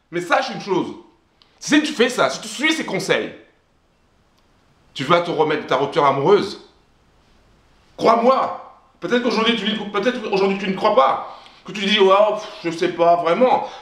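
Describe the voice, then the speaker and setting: A man's voice: high-pitched, fairly bright tone. Emphatic French-speaking man, echoey room. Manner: emphatic, repetitive, frequent restarts. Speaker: self-help vlogger. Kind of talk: direct-to-camera motivational talk.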